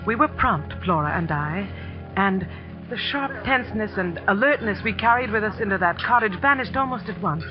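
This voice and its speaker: An earnest young teacher, played by a woman who narrates a tense story in a 1940s radio drama. Her voice is anxious and sincere, with a middle pitch. The muffled old broadcast has music playing clearly beneath it. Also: expressive, moderate pace, natural voice.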